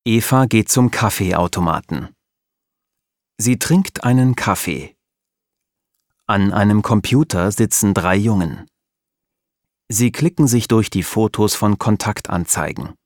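Slow, clear male audiobook narrator. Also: fairly low pitch, no room sound, studio quality. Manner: clear, simple sentences, careful pacing. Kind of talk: slow scripted narration for language learners.

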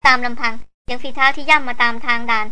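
A woman narrating a novel in a high, bright voice that sits well above most women's. She moves through the text at a fast clip, with an even, steady storytelling read. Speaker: audiobook reader. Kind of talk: scripted narration of an adventure novel.

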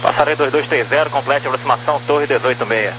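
A man's voice: medium pitch, fast, a bit bright, soft background music. A man working as an air traffic controller, giving terse, clipped procedural instructions over aviation radio. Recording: noisy humming aviation radio.

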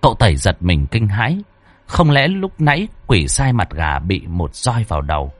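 Guy narrating a spooky ghost story, husky voice, really lively delivery, soft music behind. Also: lowish voice, moderate pace, dry recording. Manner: dramatic, vivid storytelling.

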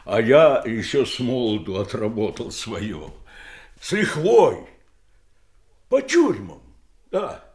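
Slow, swooping, rambling old doctor. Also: male voice, mid-range voice, big pitch swings, a little mellow. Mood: bitter, reflective. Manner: rambling, halting, exclamatory. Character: garrulous wistful old doctor, eighty-six, bitterly reflective. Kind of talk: theatrical audio drama monologue.

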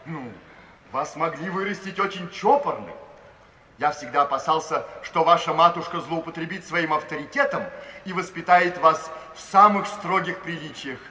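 An actor playing a gentle, flustered middle-aged artist in a 1950s radio play, hesitant and effusively polite. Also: male voice, fairly high pitch, normal speed, a little hiss or hum. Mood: delighted, effusive. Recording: distant, echoey hall, old 1950s radio recording.

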